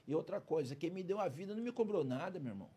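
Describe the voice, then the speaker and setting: Man, husky voice, rapid speech, emphatic streetwise manner, casual interview. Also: a little high, animated, dark tone. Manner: emphatic, streetwise, keeps adding "entendeu?" and "cara". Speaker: interview guest, former criminal turned prison speaker.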